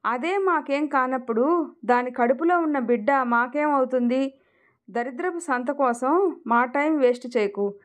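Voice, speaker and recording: A woman's voice: high voice, unhurried. A woman voicing a bitter, angry middle-aged mother who speaks harshly and with scorn in an audio story. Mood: scornful.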